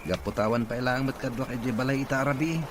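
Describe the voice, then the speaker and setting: A man's voice: mid-range voice, quick pace, close to an everyday voice. A man playing a pushy, sly male cousin in an Ilocano audio drama. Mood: casual, stubborn. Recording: noisy amateur recording.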